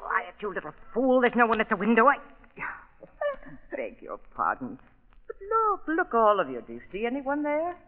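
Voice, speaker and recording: A secretive mistress of a lonely plantation, speaks with polished courtesy that sharpens into command. Her delivery is animated and theatrical, as in old-time radio drama. The recording is very muffled, with a long reverberant tail. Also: a little high, normal speed. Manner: gracious small talk turning to sharp commands. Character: secretive plantation mistress, polite but imperious, easily snappish.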